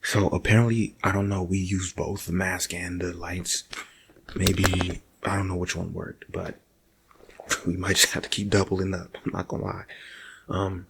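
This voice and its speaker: A man playing a nervous night security guard in an ASMR roleplay, talking casually and haltingly to his partner and slipping into whispers. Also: sits low, level tone, gravelly, fairly bright tone, a little hiss or hum, heavily acted. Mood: rattled, amazed.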